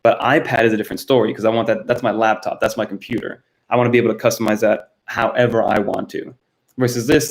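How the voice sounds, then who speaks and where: A man's voice: mid-range voice, poor audio. A young man from Miami hosting his first live stream, chatting casually and answering viewers by name, recorded on a built-in camera mic in a cluttered home room. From United States (Miami, Florida).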